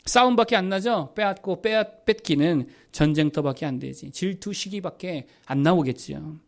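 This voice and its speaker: A man's voice: sits high, moderate pace, gravelly. A male pastor preaching a sermon, asking rhetorical questions and answering them himself, building to emphatic peaks. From South Korea.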